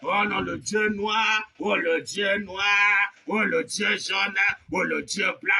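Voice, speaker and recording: A man preaching a fervent revivalist sermon, shouting and exhorting with repeated phrases, rhetorical questions and amens. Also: sits high, fairly even intonation, slow pace, vocal fry, far from the mic.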